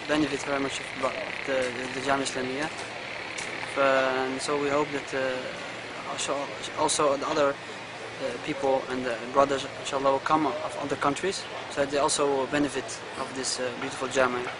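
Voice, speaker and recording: A young man speaks in a strikingly flat monotone, stumbling as he searches for English words. Loud traffic noise fills the outdoor recording behind him. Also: medium pitch, fairly quick. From Netherlands. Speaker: third-year hadith student. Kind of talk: recorded testimonial.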